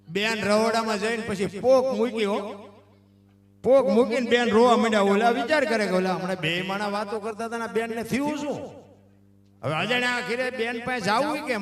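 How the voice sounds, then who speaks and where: A man's voice: high voice, normal speed, a bit bright. A man with a Kathiyawadi accent giving a folksy devotional talk and telling a parable to a live gathering. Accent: Kathiyawadi Gujarati. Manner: folksy, calls listeners "bapu". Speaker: folk storyteller. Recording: echoey, distant stage mic.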